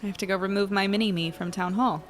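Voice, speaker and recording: Small-town woman journalist , actress, responsible but exasperated, medium pitch, natural podcast-drama read over music. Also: fairly even intonation, quick pace, close to an everyday voice. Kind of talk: naturalistic audio drama acting.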